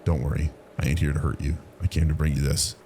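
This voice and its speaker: A man's voice: very deep voice, level tone, fast, background noise. A man voicing a timid, apologetic rural boy in a horror story, speaking in an earnest, folksy way. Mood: earnest, urgent.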